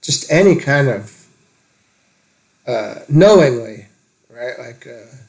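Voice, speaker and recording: A man in casual, reflective conversation, halting and tentative as he searches for words. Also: mid-range voice, lively intonation, creaky, a little mellow, low-quality recording.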